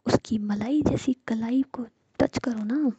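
A woman's voice: fairly high pitch, slow pace, warm tone, no room sound, muffled recording, full character voice. A woman voicing a hurt, jealous young woman with snappy, sulking retorts, in a whispered role-play. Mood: sulky. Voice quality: breathy whisper.

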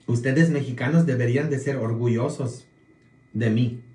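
A man's voice: medium pitch, steady tone, dark tone, echoey room. A Polish-born man, a Catholic priest whose first language is Polish, talks casually to his online viewers and keeps checking in with little "mm?" questions. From Poland. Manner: slow, drawn-out delivery with frequent "mm?" tag questions.

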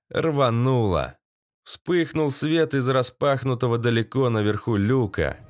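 A man narrating a post-apocalyptic audiobook in the first person, with an expressive, dramatic reading. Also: mid-range voice, no echo, clean studio sound.

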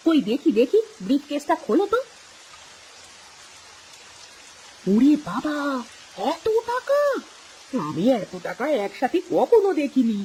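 Greedy bossy village wife. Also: female voice, high voice, huge pitch swings, normal speed, dark tone, a little hiss or hum, rough recording. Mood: greedy excitement. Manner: bossy, scolding. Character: greedy scheming village wife, adult woman. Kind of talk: dubbed cartoon acting.

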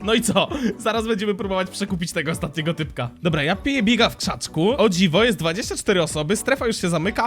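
A young man giving excited gameplay commentary as a streamer, jumpy and quick to laugh. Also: sits high. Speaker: gaming streamer.

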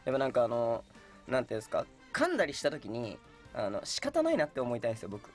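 A man's voice: medium pitch, wildly swooping pitch, racing, soft background music. A man chatting casually as a guest in a radio studio. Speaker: radio show guest, stage actor. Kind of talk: casual chat. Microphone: studio boom microphone.

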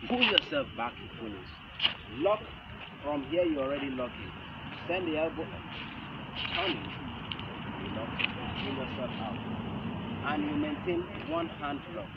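Man, self-defense instructor, halting repeated short phrases, muffled distant camera audio, very noisy open-air setting. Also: mid-range voice, very animated. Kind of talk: hands-on demonstration lesson. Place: large open concrete outdoor arena with stepped stands. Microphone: camera a few metres away. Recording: muffled outdoor camera audio, loud ambient noise. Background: loud outdoor ambient noise.

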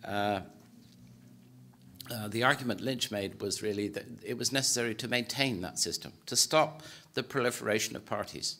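A man in his sixties with an Irish accent, giving a formal lecture at a podium in a conference hall, measured and hesitant with many fillers. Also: lowish voice, bright, forceful tone. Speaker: political science professor giving a presentation. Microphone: podium microphone.

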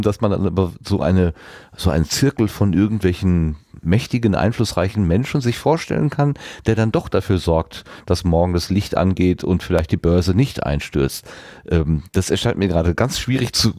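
A man with a deep, dark voice hosts a conversational interview. He sounds reflective, thinking aloud, and is recorded dry and close. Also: animated, normal speed, no room sound. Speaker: podcast host, interviewer.

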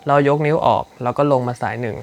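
A male guitar teacher talks through a solo lick in a relaxed, polite way, filling pauses as he goes. His voice sits in a middle register. Loud electric guitar playing runs behind him. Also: medium pitch, vocal fry. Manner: relaxed, polite, with frequent fillers. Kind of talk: casual instructional talk. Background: loud electric guitar music.

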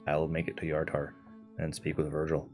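A man's voice: extremely low pitch, completely flat delivery, fairly quick, a little mellow, soft background music. A man playing a solemn, folksy dwarf cleric adventurer in a tabletop game. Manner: solemn, folksy, calls others lad.

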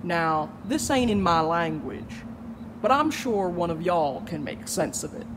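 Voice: mid-range voice, animated, unhurried, background noise, lightly acted. An actor playing a sly, gloating folksy villain with a drawl in an audio drama. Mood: smug, mocking. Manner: drawling, mocking, mannered.

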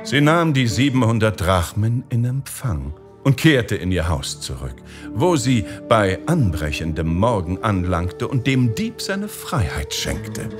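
Give me a man narrating an audiobook tale slowly and expressively. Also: lowish voice, very animated, music in the background. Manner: measured, dramatic reading. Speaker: storyteller.

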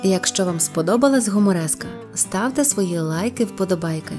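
A woman reading a humorous story aloud as a storyteller, lively and playful. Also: medium pitch, moderate pace. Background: faint guitar music.

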